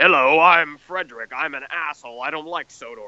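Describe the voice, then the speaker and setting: Someone performs a put-on character voice in an American accent at a fairly quick pace. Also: man, fairly high pitch for a man. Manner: rude, blunt.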